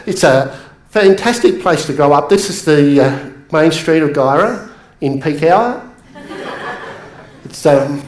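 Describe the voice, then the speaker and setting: An Australian man giving an energetic, jokey motivational seminar talk, addressing the crowd. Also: a little high. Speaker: motivational speaker. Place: large seminar room. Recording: echoey room.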